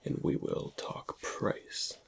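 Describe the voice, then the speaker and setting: A man playing a shady alien dealer in black market antiquities, in a hushed, whispery ASMR roleplay with a gravelly voice and a musing manner. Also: background noise, close to an everyday voice. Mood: curious, appraising. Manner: hushed, unhurried, musing over goods. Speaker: ASMR performer.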